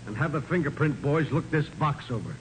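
A grumbling American police sergeant acted by a man, pitched a little high and swooping with exasperation. He blusters sarcastically in old radio crime drama style, over faint recording noise. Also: lively intonation, lightly acted, rough recording. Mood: gruff, businesslike. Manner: blustery, sarcastic, halting when flustered. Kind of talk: 1940s radio acting.

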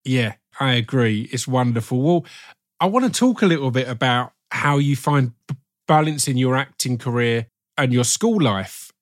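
A man's voice: mid-range voice, animated, moderate pace, no echo, studio quality. A middle-aged man with an Essex accent hosting a casual podcast, chatty and informal, often restarting his words. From Essex, England. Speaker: podcast host.

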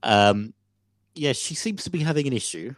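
A man co-hosting a podcast, telling a story theatrically with many pauses and fillers. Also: medium pitch, lively intonation, no echo, studio quality. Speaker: podcast co-host. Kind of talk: casual chat.

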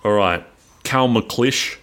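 A man's voice: lowish voice, slow, fairly bright tone. A man co-hosting a podcast in casual comedic banter, with a wry, rambling manner. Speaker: podcast co-host.

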